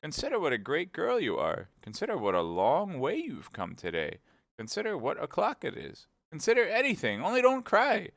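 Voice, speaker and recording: A man voicing a flustered, fussy old White Queen in a high, fluttery falsetto. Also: huge pitch swings, normal speed, vocal fry, few pauses, a bit bright, no echo, full character voice. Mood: distressed.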